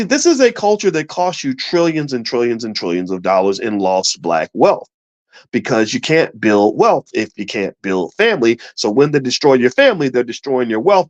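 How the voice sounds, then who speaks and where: A man giving impassioned commentary in a preachy, emphatic way, putting questions to his listeners. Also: mid-range voice.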